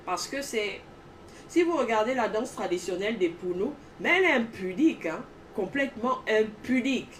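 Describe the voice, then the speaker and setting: A woman's voice: on the high side, animated, moderate pace, recorded from a distance, slight background noise. Earnest woman, heard off-mic. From Gabon. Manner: emphatic, repetitive phrasing. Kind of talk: earnest testimony talk.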